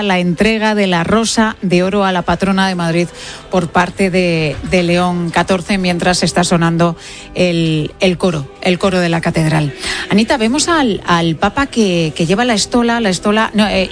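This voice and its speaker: A woman anchoring live news commentary, measured and deliberate as she reads out breaking news. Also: on the low side.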